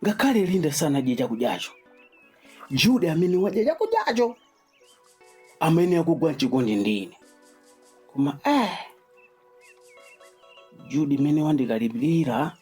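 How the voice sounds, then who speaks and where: A man's voice: high voice, very animated, moderate pace, pauses often, a little mellow, husky, soft background music, heavily acted. An actor playing a boastful, vengeful young man in a radio drama, with a Malawian accent. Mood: angry, indignant. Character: boastful vengeful young man, fuming at a fake charm doctor. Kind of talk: vernacular radio drama acting.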